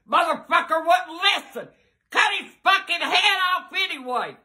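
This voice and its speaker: A man voicing a foul-mouthed, angry old grandmother who curses and shouts Spanish exclamations in a comedy sketch. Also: extremely high pitch, expressive, moderate pace, full character voice. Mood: ranting.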